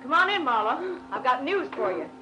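A woman's voice: high-pitched, big pitch swings, brisk, noisy background. An American actress playing a tough, sassy young woman in a 1940s radio detective drama, wry and brash. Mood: triumphant, brash. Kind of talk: 1940s radio noir acting.

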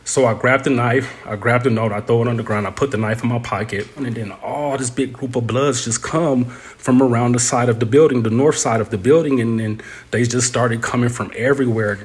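An interview guest, a man, shares a personal story in a loose, conversational way, sprinkling in lots of "you know" and "pretty much." His mid-range voice is slightly rough, with fairly even intonation and a pace that's a little fast.

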